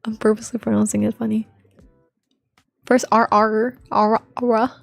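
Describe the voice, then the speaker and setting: A woman livestreamer with a soft, quiet voice, chatting informally and playfully with viewers and swearing now and then. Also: little pitch movement, brisk, gravelly, no room sound. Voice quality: soft, low-volume voice, unlike their usual loud one. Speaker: live streamer. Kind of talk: casual livestream chat with viewers. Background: faint music.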